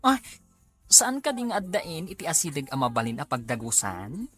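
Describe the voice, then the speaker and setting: A woman playing a flirtatious, effeminate gay bar customer in an audio soap drama, with coy, drawn-out exclamations. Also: low voice, sing-song, fairly bright tone, husky, full character voice. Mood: tipsy coaxing. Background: background music.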